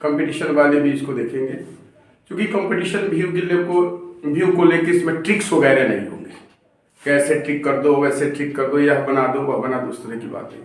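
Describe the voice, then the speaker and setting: Echoey, far-off male chemistry teacher. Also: a little high. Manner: repeats key terms slowly, stretching words for emphasis. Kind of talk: classroom lecture. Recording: very echoey room, voice from a distance.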